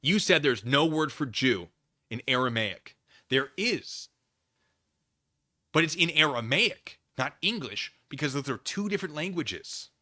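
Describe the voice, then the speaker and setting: Animated man livestreaming with a bright voice. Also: fairly high pitch, a little slow, dry recording, studio quality. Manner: theatrical, emphatic, exasperated debating. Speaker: livestream host. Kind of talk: casual livestream chat with viewers.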